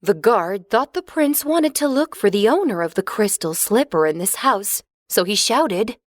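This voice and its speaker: A woman narrating a children's fairy tale in a clear, expressive storybook reading. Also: mid-range voice, measured pace, no echo, studio quality.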